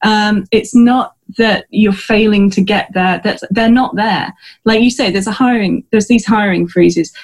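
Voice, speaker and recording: Somewhat breathy, a woman with a British accent talks at a fairly high pitch with fairly even intonation. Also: moderate pace. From Britain. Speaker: history lecturer. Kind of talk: casual chat. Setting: video call.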